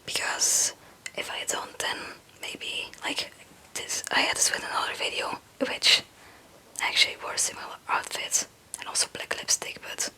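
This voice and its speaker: A young woman from Belgium, a non-native English speaker, whispering a casual, hesitant and meandering ASMR chat in a breathy voice. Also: normal speed, bright, forceful tone, rough recording. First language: not English. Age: young adult. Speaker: ASMR video creator.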